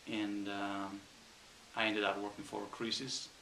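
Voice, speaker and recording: A man with a Spanish accent answers interview questions, pausing often to think. His low voice is gravelly but bright in tone. The room sounds echoey, with a faint hiss behind him. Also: level tone. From Spain. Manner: thoughtful, hesitant with many ums. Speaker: engineer.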